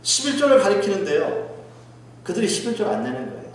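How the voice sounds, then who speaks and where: A man's voice: high-pitched, very animated, fast, very echoey, recorded from a distance, slight background noise. A man preaching a sermon as pastor, dramatic, acting out quoted speech in a raised voice. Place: church sanctuary.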